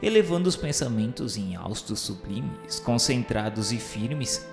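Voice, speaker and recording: A man's voice: on the low side, vocal fry. A Brazilian man giving a solemn, formal, reverent narration of a scripted radio novel in a declamatory, literary style. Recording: echoey hall reverb with music. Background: music.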